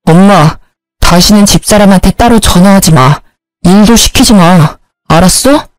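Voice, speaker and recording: A woman's voice: medium pitch, moderate pace, no room sound, lightly acted, rough recording. A woman voicing a tearful pleading husband. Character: young husband, sorry and pleading.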